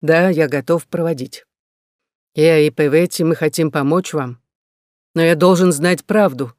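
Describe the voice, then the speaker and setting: A man voicing a calm young native guide who speaks firmly and directly. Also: fairly high pitch, a little slow, no echo, clean studio sound, natural voice.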